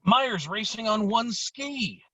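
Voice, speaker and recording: A man plays an excitable ski race spectator in a script read. The voice is high and animated, with a husky edge. It comes through slightly dull online audio. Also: takes it slowly, heavily acted. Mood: excited disbelief. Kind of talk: virtual screenplay table read.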